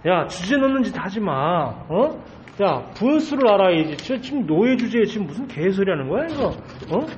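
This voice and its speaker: A man's voice: sits high, very animated, moderate pace, darkish tone, lo-fi sound, slight background noise, voice pushed up. A man voicing a sneering, arrogant king who taunts and mocks his slaves. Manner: taunting, scornful.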